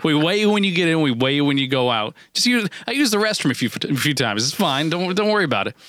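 A man's voice: on the high side, very animated, fast talker, fairly bright tone, no echo, clean studio sound. A man co-hosting a podcast in casual, joking chat, laughing often and wandering off on tangents. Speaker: podcast co-host. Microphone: desk microphone.

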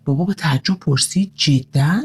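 A woman narrating a children's story in an expressive, animated way. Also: low-pitched, husky, faint music behind.

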